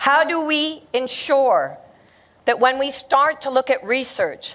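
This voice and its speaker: A woman speaks at a high pitch and a fairly slow pace. Noticeable background noise runs beneath her voice. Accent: American. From California. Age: 50s. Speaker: think tank leader. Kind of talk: conference speech.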